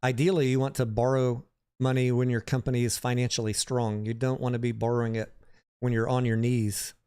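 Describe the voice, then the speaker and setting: A man's voice: medium pitch, level tone, brisk, mellow, smooth. A man hosting a livestream, talking casually about the stock market and answering viewers by name in a conversational way.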